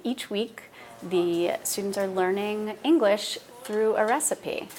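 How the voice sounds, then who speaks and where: A woman's voice: mid-range voice, slow pace, darkish tone, slight background noise, poor audio. A woman coordinating a cooking-based English program, speaking earnestly about her students. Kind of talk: interview.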